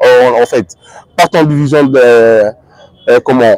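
The speech moves at a fairly slow pace. The sound is dry with no echo, and the background is quiet. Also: man. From DR Congo. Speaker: young party candidate; party politician. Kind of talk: interview. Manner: halting. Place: street. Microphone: handheld.

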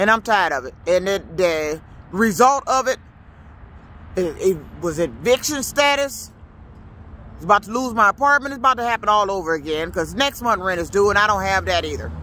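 Furious and raised to a projected shout, a man's high voice moves at a fairly quick pace with lively intonation and long, frequent pauses, the sound dry with no echo. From Detroit, Michigan. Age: 50s. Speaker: independent truck driver vlogger. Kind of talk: angry rant, vlog-style, cursing about trucking companies. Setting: outdoors on a street corner, filming himself. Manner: furious, loud, profane, venting with repeated emphasis. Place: street. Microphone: phone near.

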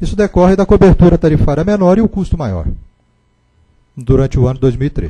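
With a high pitch for a man and a dark, mellow tone, he talks at a fairly quick pace with lively intonation and long, frequent pauses. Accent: Brazilian. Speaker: regulatory agency technical staff. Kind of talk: public regulatory hearing. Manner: halting.

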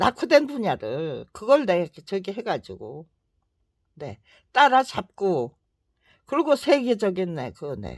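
The very slow speech sits on a very clean recording with a silent background. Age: 70s. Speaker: YouTuber, self-styled author. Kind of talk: solo monologue to camera. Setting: at home, camera recording. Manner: halting, frequent filler 네.

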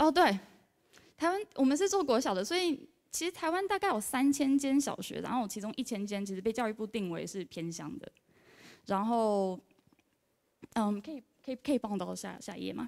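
Against a quiet background, a woman talks at a fairly quick pace with very wide pitch swings, big swings in loudness and long, frequent pauses. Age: 20s. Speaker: designer at an education nonprofit; conference speaker. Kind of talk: conference talk. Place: hall. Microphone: handheld.

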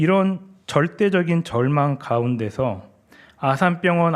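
A man speaks with lively intonation. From Seoul, South Korea. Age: 40s. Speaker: church member. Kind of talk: testimony. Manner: formal.

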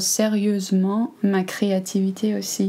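The pace here is very slow. It's a woman in an English accent. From Australia. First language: English (speaking French). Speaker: YouTuber; vlogger. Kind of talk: casual chat. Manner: halting. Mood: relaxed, amused. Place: home room. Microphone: camera far.

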